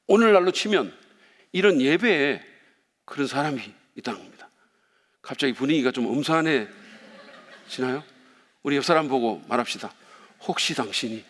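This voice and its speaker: A man's voice: medium pitch, animated, normal speed, pauses often, a bit bright, slight background noise. A male pastor preaching a sermon, playful and speaking directly to the congregation. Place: church sanctuary. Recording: long reverb of a church hall.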